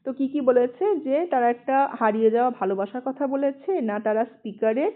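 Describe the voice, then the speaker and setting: A woman teaching an English poem online with a Bengali accent, explaining patiently and often checking in with her students. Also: fairly high pitch. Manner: explanatory, checks in with "ঠিক আছে" and "okay", reads English slowly. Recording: tinny phone-like sound.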